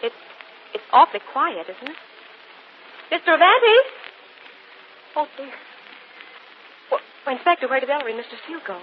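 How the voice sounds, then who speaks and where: An actress playing a lively, impatient young woman in an old radio mystery. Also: high-pitched, moderate pace, long pauses, a little hiss or hum. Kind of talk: 1940s radio acting. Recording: dull old radio recording.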